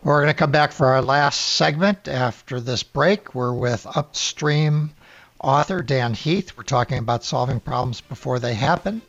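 Gravelly-voiced male radio host. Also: mid-range voice, normal speed, a bit bright. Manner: conversational, rambling questions with restarts. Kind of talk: hosting an interview show. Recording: dull lo-fi radio audio.

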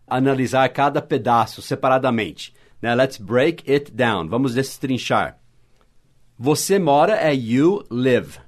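A man with a Brazilian Portuguese accent teaching basic English on a podcast, explaining slowly and spelling words out letter by letter. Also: medium pitch. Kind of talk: podcast lesson.

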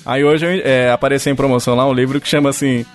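A man's voice: mid-range voice, level tone, fast talker, soft background music. A man with a Brazilian accent chatting informally and emphatically as a podcast co-host. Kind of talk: casual podcast chat.

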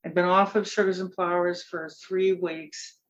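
A woman's voice: lowish voice, measured pace. A woman in her seventies talks as a guest on a podcast, jumping up in emphatic bursts. Her voice comes through slightly muffled and lo-fi. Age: 70s. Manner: animated, bursts of emphatic enthusiasm. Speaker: nutrition expert guest. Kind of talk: podcast conversation.

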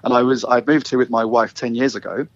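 A man's voice: mid-range voice, fairly even intonation, fast talker, slight background noise. A middle-aged man with a London accent, chatting as an interview guest about how he started a walking tour business. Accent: London English. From England. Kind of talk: casual interview storytelling. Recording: slightly dull lo-fi sound.

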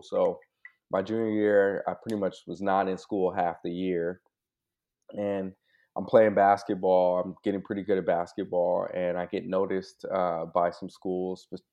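A man's voice: deep voice, creaky, dark tone. An American man from California and Hawaii talking casually and candidly about his own life as an interview guest, in an informal, open way with asides seeking agreement. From United States (born in Hawaii, grew up in California). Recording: dull, lo-fi audio.

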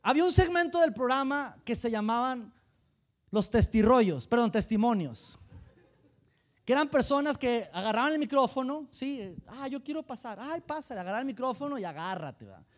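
A man's voice: extremely high pitch, normal speed. A man with a Mexican accent, a pastor preaching a sermon who tells humorous stories and speaks straight to the congregation. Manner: animated, humorous storytelling, direct address to the congregation.

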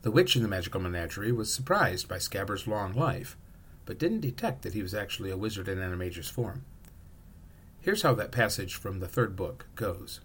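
A man hosting a podcast, giving a scripted narration in a measured, questioning manner. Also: deep voice, expressive, a bit bright, a little hiss or hum. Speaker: podcast host.

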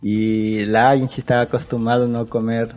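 Peruvian man, non-native, halting and friendly pace, mid pitch, dull lo-fi sound with soft music underneath. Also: little pitch movement. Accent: Peruvian Spanish. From Peru. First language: Spanish. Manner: hesitant, adds tag "não?" often. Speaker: guest. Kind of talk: casual interview talk.

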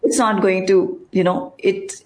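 A woman's voice: mid-range voice, little pitch movement, unhurried, darkish tone. Earnest Indian woman telling her story. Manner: earnest, reflective, many fillers and "right?". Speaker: podcast guest. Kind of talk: personal storytelling in an interview.

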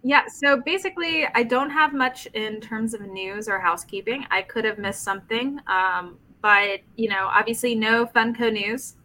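A woman's voice: fairly high pitch, moderate pace, few pauses, sharp tone, rough recording. A woman co-hosting a casual comics podcast, tired and emotionally drained, candid and frank, often trailing off. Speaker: podcast co-host. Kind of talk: casual live-streamed comics podcast chat.

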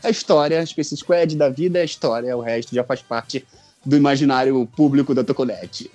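A Brazilian man in his forties chatting casually as a guest, telling personal stories in an animated, jokey, colloquial way. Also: mid-range voice, moderate pace, soft background music. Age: 40s. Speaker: podcast guest.

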